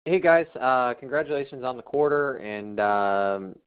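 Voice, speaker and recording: A man asking questions as a financial analyst over the phone, polite and a little halting. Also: mid-range voice, lively intonation, clear, resonant tone. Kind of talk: unscripted call questions. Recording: thin telephone line.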